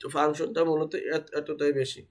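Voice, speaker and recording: A man's voice: fairly high pitch, monotone, a little fast. A young man with a fever teaching a web development class, explaining step by step and spelling terms out. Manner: explains step by step, repeats words and spells them out. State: speaking slowly because of fever. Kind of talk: live online coding class.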